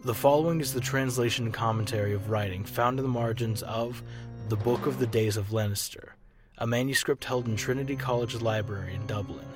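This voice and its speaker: Formal male narrator, even delivery, music clearly underneath. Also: mid-range voice, fairly quick. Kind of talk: scripted narration.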